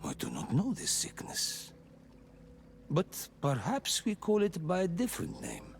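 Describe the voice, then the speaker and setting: A man's voice: a little high, wildly swooping pitch, a little slow, gravelly, a little hiss or hum, full character voice. A man playing an authoritative tribal healer priest in a video game, solemn, formal and commanding. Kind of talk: video game cutscene acting.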